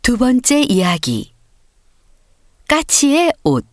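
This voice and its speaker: Expressive woman reading a storybook. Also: on the high side, slow pace, dry recording, studio quality. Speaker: audiobook narrator. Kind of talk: scripted storybook narration for learner readers.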